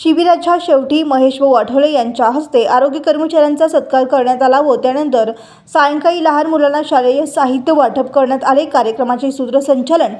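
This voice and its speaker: A woman reads a local news report in a high, bright-toned voice. Her delivery is steady and formal, and she moves evenly through long lists of names and details. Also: fairly quick. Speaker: news reader. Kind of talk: scripted local news narration.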